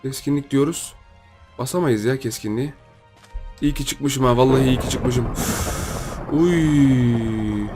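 A young man giving casual commentary on his own gameplay, talking to himself and his viewers and repeating words in quick bursts when excited. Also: medium pitch, soft background music. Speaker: gaming YouTuber.

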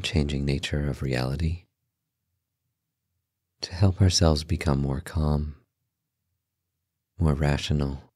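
Male meditation guide: very deep, husky, calm, slow-paced delivery with pauses between brief instructions. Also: no room sound, clean studio sound. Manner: calm, unhurried pauses between short phrases.

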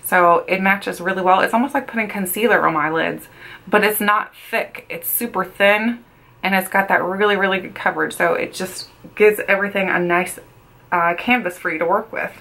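A woman's voice: mid-range voice, normal speed, vocal fry, sharp tone. A woman in her thirties chatting casually while doing her makeup at a desk in a small room, repeating words for emphasis and saying she feels she is losing her voice. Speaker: beauty vlogger. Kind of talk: casual get-ready-with-me chat. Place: small bedroom makeup setup, indoors.

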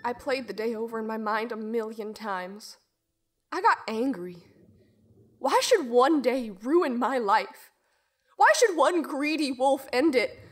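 A woman playing a young, bitter Little Red Riding Hood survivor in an audio drama, telling her ordeal with deliberate, intense emotion. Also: high voice, a bit bright. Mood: haunted, regretful, then angry, anguished. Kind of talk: dramatic first-person audio drama monologue.

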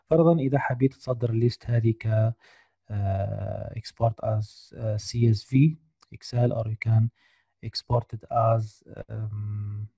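A man leading a software lesson over a video call, his voice gravelly and dark, audibly tired. He speaks flatly and hesitantly, filling pauses and mixing in English terms. The sound is dry and close. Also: on the low side, no room sound. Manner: hesitant, many fillers, mixes English terms. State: tired, slightly unwell voice. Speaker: guest lecturer. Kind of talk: screen-share software lesson.

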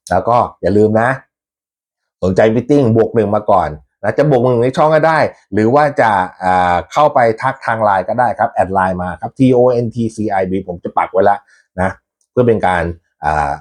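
A man hosting a football fan channel, chatting casually to his viewers in a rambling way, laughing often and swearing a little. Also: medium pitch. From Thailand.

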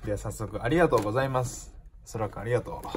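A man's voice: on the low side, rapid-fire, a little hiss or hum. A man chatting casually as he unboxes a gift parcel, musing aloud and reading out the labels as the shop owner and channel host.

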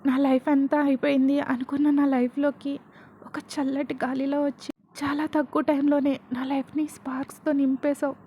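A heartbroken young man in love speaks, voiced by a woman reader in a high, bright register. He pleads with raw emotion, in the manner of a narrated audio storybook. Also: steady tone, moderate pace, slight background noise, natural voice. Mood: wistful.

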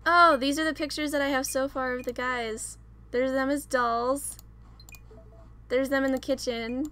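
A woman's voice: fairly high pitch, slight background noise. A young woman hosting a let's play, rambling casually and laughing at herself as she clicks through game menus. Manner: chatty, giggly, self-deprecating. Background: soft background music.

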